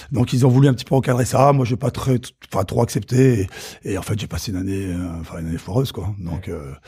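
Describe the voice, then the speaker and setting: Very fast speech with lively intonation comes in a somewhat breathy voice with a dark, mellow tone. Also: man, fairly low pitch for a man. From Paris suburbs (Yvelines), then Touraine. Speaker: chef. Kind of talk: interview. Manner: halting, many fillers and repetitions.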